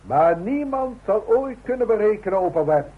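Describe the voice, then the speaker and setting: An actor playing a hearty, formal boss in a Dutch radio play, jovial and oratorical. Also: male voice, high voice, animated, moderate pace, husky. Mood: hearty, ceremonial. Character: hearty, formal male boss giving a speech. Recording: noisy, tinny, narrow-band old radio recording.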